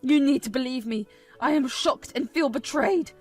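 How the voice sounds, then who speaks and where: A woman's voice: sits high, normal speed, soft background music. A woman voicing a young husband who speaks firmly and with exasperation. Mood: pleading. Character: young husband, firm and frustrated.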